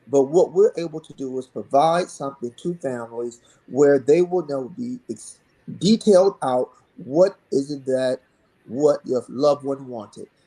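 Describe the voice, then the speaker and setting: Speaking slowly, fairly so, a man with an American accent and a dark, mellow tone uses a fairly high pitch with lively intonation. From Michigan (Muskegon Heights). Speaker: life insurance agent. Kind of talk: radio interview.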